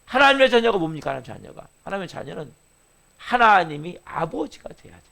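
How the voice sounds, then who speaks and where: A male pastor preaching an early-morning sermon, firing rhetorical questions at the congregation and swinging between loud emphasis and soft asides. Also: sits high, sing-song, a little fast, vocal fry.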